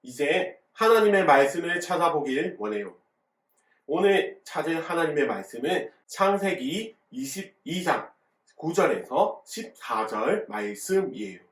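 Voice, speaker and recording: A man's voice: on the high side, sing-song, measured pace, fairly bright tone. A man as a junior preacher, leading a children's worship service and talking to the children in a friendly, coaxing way, asking them questions. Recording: roomy, echoey room sound.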